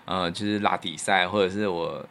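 A man speaks in a fairly low voice with a Taiwanese Mandarin accent. He sounds like a podcast co-host and radio producer thinking aloud in casual conversation. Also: fairly even intonation, normal speed, gravelly, fairly bright tone. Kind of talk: casual reflective chat.

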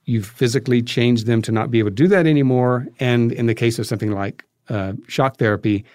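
A man being interviewed as a guest, explaining history in a conversational, halting way as he thinks aloud. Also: mid-range voice, darkish tone, dry recording, studio quality. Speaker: interview guest, filmmaker and podcast creator.

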